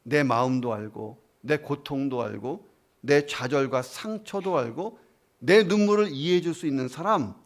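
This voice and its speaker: A male pastor preaches with a gravelly voice and a lively, swinging delivery. He tells stories and speaks directly to his congregation. His voice sits a little high. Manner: storytelling, animated, asks listeners questions. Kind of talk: sermon.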